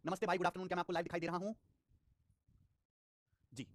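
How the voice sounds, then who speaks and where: A man's voice: sits high, no room sound, studio quality. A young man teaching a live online math class, repeating numbers over and over and scolding students with life advice. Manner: fast, lively, repeats digits and phrases.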